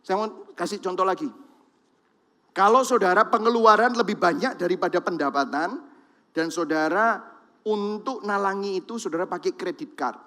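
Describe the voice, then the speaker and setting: A man's voice: sits high, moderate pace. A man preaching a sermon in Indonesian with a Javanese-influenced accent. He speaks straight to the congregation and acts out the voices of the people in his examples. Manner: lively, talks to the congregation directly, acts out quoted voices. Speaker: pastor. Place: large church hall. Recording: long reverb of a large church hall.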